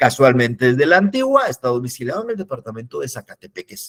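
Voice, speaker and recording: The speech races at a very fast pace with very wide pitch swings. The sound is dry and close, with no echo. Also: man. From Guatemala. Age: 60s. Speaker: law professor. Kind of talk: lecture.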